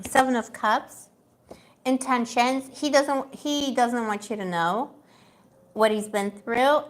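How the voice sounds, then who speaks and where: Chatty, gossipy woman reading tarot. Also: on the high side. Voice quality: gossipy, chatty, laughs often. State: losing her voice. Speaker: tarot reader. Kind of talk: casual livestream tarot reading.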